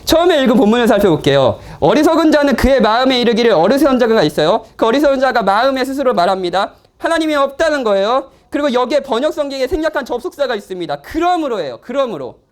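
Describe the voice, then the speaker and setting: During an afternoon service at church, a male pastor preaches to his congregation as though chatting with them, lightly teasing them along the way. His extremely high voice swings up and down in animated, expressive arcs, moving quickly with few pauses.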